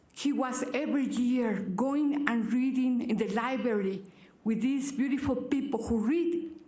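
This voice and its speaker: In a room with audible echo, a woman talks with a non-native accent. Her pitch is high and her pace fairly slow. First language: not English. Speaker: public commenter. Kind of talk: public testimony. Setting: public meeting. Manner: halting.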